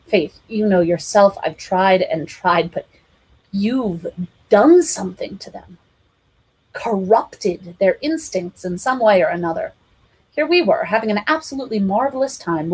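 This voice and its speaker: A woman reader voicing a boisterous, bossy grown man who shouts and teases. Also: medium pitch, slightly rough, low-quality recording. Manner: shouting, teasing, then complaining.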